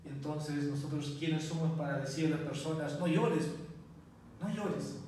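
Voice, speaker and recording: Man, pastor, earnest sermon, fairly high voice, strong church echo. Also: a little mellow. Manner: earnest, repeatedly addresses listeners as brothers, with thinking fillers. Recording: very echoey church hall, voice from far off.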